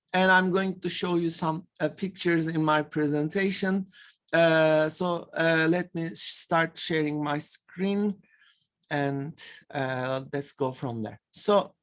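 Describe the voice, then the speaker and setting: A man's voice: fairly high pitch, fairly bright tone. Hesitant man presenting. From Turkey. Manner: hesitant, many fillers and repeated words. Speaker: academic panelist. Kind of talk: conference presentation.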